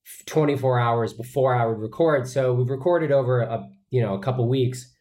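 A man's voice: medium pitch, fairly quick, darkish tone. Chatty man, an actor in an interview. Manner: earnest, chatty with many fillers and restarts. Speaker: actor guest. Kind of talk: interview answers.

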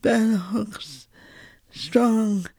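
An Irish woman speaking as a guest playwright in a reflective conversation, thoughtful and halting, often repeating words as she finds them. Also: mid-range voice, dark tone, slightly rough, dry recording.

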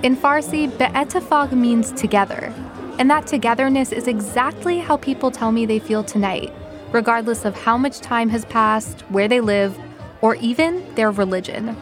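A woman's voice: a little high, normal speed. Woman reporter narrating over music. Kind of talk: scripted news narration.

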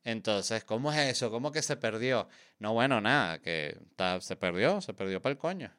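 A man's voice: on the low side, lively intonation, moderate pace, fairly bright tone, clear, resonant tone. A man hosting a podcast, talking in a playful, joking, rambling way with lots of fillers. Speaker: podcast host. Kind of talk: casual chat.

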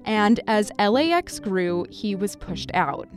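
A woman hosting a radio show, narrating a scripted feature in an upbeat, lively storytelling manner. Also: medium pitch, slow pace, faint music behind. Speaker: radio host.

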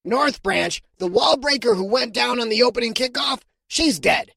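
A man voicing a harsh alien football coach in an audiobook, barking orders and shouting in anger. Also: extremely high pitch, lively intonation, moderate pace, no echo, studio quality, pitched above the performer's own voice, exaggerated voice. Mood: stern. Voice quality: gravelly, raspy.

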